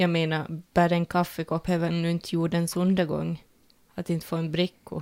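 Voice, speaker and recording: Her voice is fairly low, and she keeps a moderate speed. The woman's intonation stays flat and monotone. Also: dry, close sound with no echo, very clean recording, silent background. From Finland, Ostrobothnia (Jakobstad area). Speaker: podcast co-host. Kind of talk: casual chat.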